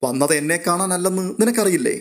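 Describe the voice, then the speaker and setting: A man reading a storybook, voicing a calm, firm older-sister woman who speaks steadily and sternly. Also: high voice, fast talker, pitched above the performer's own voice.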